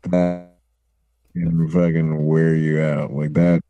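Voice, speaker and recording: A man's voice: rumbling low, little pitch movement, takes it slowly, warm tone, muffled recording, soft background music. A man in his late thirties, a comedian guest, talking loosely and joking, with casual swearing. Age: 30s. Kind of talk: casual interview chat.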